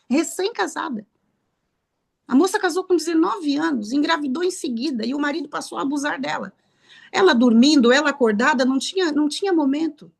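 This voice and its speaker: A woman from Brazil delivers a sermon in an emphatic teaching manner. Her voice sits fairly high for a woman. She poses rhetorical questions and acts out quoted speech as she teaches. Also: gravelly. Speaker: preacher and counselor.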